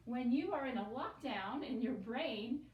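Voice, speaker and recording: A fairly high-voiced woman leads an elementary lesson in a patient, sing-song teaching voice, leading the class through repeat-after-me phrases. Her voice sounds a little far from the mic and echoes in a roomy space with faint background hum. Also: animated, measured pace, dull audio. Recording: echoey room, voice from a distance.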